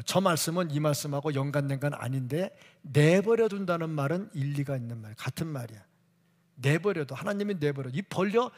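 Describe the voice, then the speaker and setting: Animated pastor preaching in a reverberant church. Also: male voice, a little high. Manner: emphatic, rhetorical questions, drops to whispers when quoting. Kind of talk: sermon. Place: church sanctuary.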